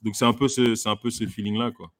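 A man's voice: fairly low pitch, flat delivery, fast talker, slight background noise. A man, a comedian guest, talking casually with frequent fillers and restarts. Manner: hesitant, many fillers and restarts, laughs often. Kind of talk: casual conversation.

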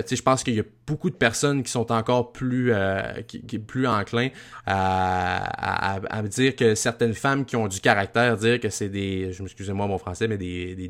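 A man with a Quebec French accent in a casual sports discussion, speaking haltingly and repeating words as he searches for his phrasing. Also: on the low side, fairly bright tone. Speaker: sports talk show commentator.

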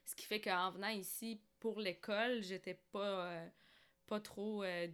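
A woman's voice: medium pitch, steady tone, unhurried, fairly bright tone, smooth. A woman from Algeria chatting casually as a podcast guest, telling personal stories. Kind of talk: casual conversational storytelling.

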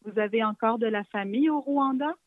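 Gentle woman interviewer on a phone line. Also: fairly high pitch, dry recording. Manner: gentle, slow, encouraging questions. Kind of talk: interview questions. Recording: dry phone-line audio.

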